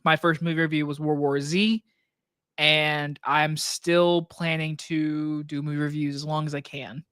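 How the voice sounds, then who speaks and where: A man with a scratchy, hoarse throat hosting a casual live stream Q&A from his desk, talking loosely with plenty of likes and restarts into a microphone on a boom arm. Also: little pitch movement, a little slow, fairly bright tone, no room sound, studio quality. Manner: loose, rambling talk with many likes and restarts. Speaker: movie reviewer and channel host. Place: home desk setup.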